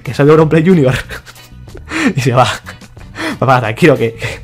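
A man's voice: mid-range voice, normal speed, soft background music. A young man from giving casual, playful commentary over gameplay, laughing often and reading other players' chat aloud. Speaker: gaming YouTuber.

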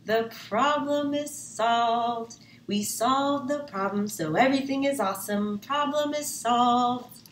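An American woman reading a storybook as an excitable, anxious little girl, exclaiming emphatically. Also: a little high, takes it slowly, voice pushed up. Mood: triumphant. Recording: roomy, faint background noise.

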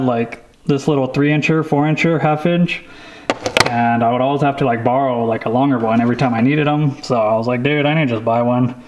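Chill guy rambling on about his tool haul, mid voice, kinda noisy audio. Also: mid-range voice. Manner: relaxed, rambling, lots of "uh" and "like". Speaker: vlogger showing a tool haul. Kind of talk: casual show-and-tell chat.

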